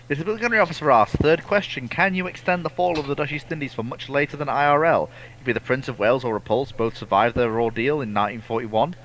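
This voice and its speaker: A man with a bright, forceful voice co-hosts a casual history question session. He often doubles back on his words as he reads and answers. There is some background noise with small clicks on the recording. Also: mid-range voice, quick pace, few pauses, poor audio. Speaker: co-host reading out and answering viewer questions. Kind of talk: casual naval history discussion.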